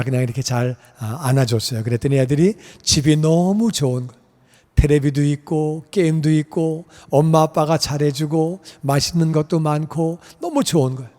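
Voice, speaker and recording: Middle-aged male pastor, sermon storyteller, slightly high voice, big reverberant sanctuary. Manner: animated storytelling, acting out dialogue. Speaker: pastor and missionary. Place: church sanctuary. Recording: long church hall reverb.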